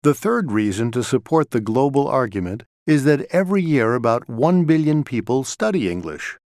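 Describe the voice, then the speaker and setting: A man acting as a lecturer, giving a scripted class talk in a clear, measured way, recorded in a studio. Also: mid-range voice, very animated, a little mellow, no room sound. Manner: measured, clear explanatory delivery. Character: male lecturer talking to a class.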